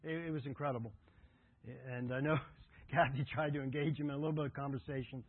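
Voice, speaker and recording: A pastor talks fast in a steady, mid-range voice with a breathy edge, recorded with no room sound but a tinny, phone-like tone. His sermon moves from conversational travel storytelling to earnest calls for the congregation's devotion.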